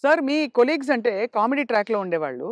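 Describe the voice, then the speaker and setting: High-pitched, lively male interviewer. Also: quick pace, dry recording. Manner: prompts with short murmured agreements. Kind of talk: interview questions.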